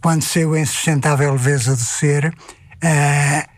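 Older man, European Portuguese accent, measured and reflective, dry close sound. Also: on the high side, steady tone, no echo. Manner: measured, repeats phrases as he thinks. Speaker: retired publisher, guest. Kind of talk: reflective conversation.

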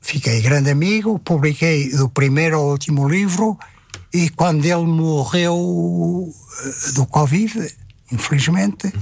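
An older man with a European Portuguese accent, a retired publisher reflecting at a measured pace and repeating phrases as he thinks. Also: fairly high pitch, creaky, a little mellow, no room sound. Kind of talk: reflective conversation.

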